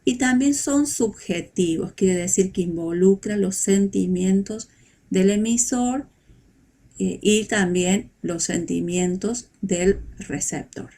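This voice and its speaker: A female teacher with a mid-pitched voice gives an explanatory lesson. She speaks slowly and in a measured, didactic way, taking her time over each point. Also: dark tone.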